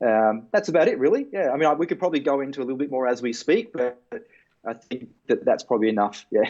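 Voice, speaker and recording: Speaking very fast in an Australian accent, a man uses a fairly high pitch and lively intonation. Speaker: chiropractor and coach. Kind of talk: live podcast interview. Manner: hesitant, many fillers and repeats.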